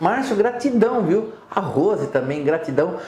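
Lively in intonation and high in pitch, a man's voice comes through with audible room echo. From Brazil. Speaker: Umbanda teacher and video host; Umbanda teacher, video host. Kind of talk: Q&A show answering viewer questions. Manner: animated. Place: studio. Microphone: lapel.

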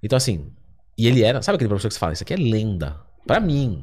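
With a fairly low pitch and a somewhat breathy quality, a man talks at a very fast pace with lively intonation. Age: 30s. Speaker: fitness coach and physical educator; podcast guest, physical educator. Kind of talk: casual chat. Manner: halting, many repeated words. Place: studio. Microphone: studio mic.

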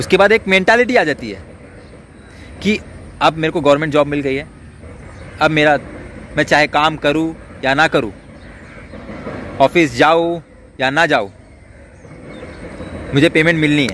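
Dry and free of echo, a man's speech has long, frequent pauses over light background noise. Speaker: vlogger. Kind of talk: casual opinion vlog. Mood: earnest, opinionated. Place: garden. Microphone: phone near.

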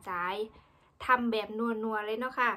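With fairly even intonation, a woman talks in a bright, sharp tone. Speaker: food vlogger. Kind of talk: casual mukbang vlog chat. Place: home room. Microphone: phone near.

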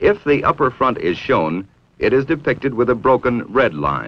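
A man with an American accent and vocal fry, at a fairly slow pace with very wide pitch swings. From US. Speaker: film narrator. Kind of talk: vintage training film narration. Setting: studio voiceover. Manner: formal, measured, authoritative; even, didactic, unhurried. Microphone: old recording.

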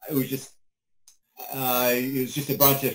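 Monotone, flat intonation from a man of medium pitch at a moderate pace. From New York. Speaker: sculptor; interviewee. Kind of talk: interview. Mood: relaxed, friendly. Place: home room.

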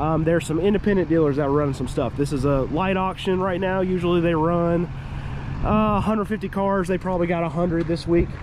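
Noticeable background noise sits behind a man talking. His pitch is high and his pace fairly quick. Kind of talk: casual on-location report. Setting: outdoors at car auction lot.

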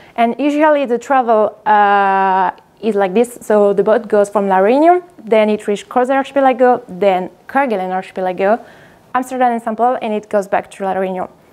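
A woman speaks at a moderate pace with a French accent. Her pitch sits fairly high, with ordinary variation. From France. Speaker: PhD researcher in biology. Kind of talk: presentation talk with slides. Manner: halting with frequent fillers. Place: hall.

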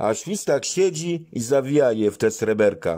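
Very wide pitch swings at a fairly slow pace, in a very clean recording with a silent background. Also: man. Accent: Polish. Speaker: stand-up comedian. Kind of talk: stand-up comedy.

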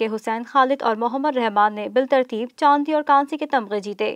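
Speaking at a moderate pace, a woman with a high pitch comes through with a dry, close sound with no echo. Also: quiet background. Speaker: news anchor. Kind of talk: news reading, formal headline bulletin. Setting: studio. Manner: formal, brisk and even, steady newsreader delivery.

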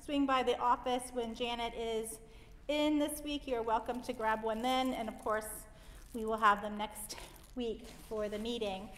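A woman's speech moves at a moderate pace, her intonation fairly even. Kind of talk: announcements. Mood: friendly, light laughter. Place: church.

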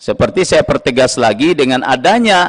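A man speaks against a quiet background. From Central Sulawesi, Indonesia. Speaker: member of parliament; legislator questioning minister. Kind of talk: parliamentary questioning. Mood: firm, critical. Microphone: podium.

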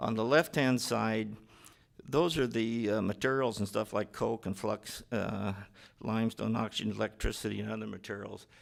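A man's voice with vocal fry, at a moderate pace. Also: very clean recording, silent background. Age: 70s. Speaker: chemical engineer. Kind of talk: public presentation. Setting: county commissioners meeting. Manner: halting.

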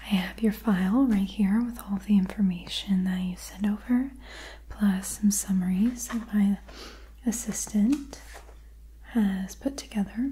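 A woman speaks softly in a calm tone. Her pace is fairly slow. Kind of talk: soft-spoken ASMR role-play. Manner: soft-spoken, calm and quiet.

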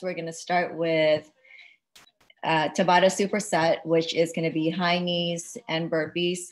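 This is a woman with a normal speaking voice, pitched fairly low. She keeps a moderate pace. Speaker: fitness instructor. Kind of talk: class instruction. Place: garage. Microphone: video call.

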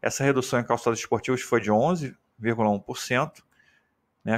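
This man has an ordinary speaking voice, medium in pitch with ordinary pitch variation, captured in a dry, close sound with no echo on a very clean recording with a silent background. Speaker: financial analyst and investment YouTuber. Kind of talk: tutorial. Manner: informal, frequent filler tags.

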